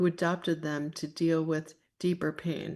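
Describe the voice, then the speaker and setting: A woman with vocal fry speaks in a fairly low pitch against a quiet background. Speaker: psychotherapist. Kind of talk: workshop talk. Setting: video call. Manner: halting.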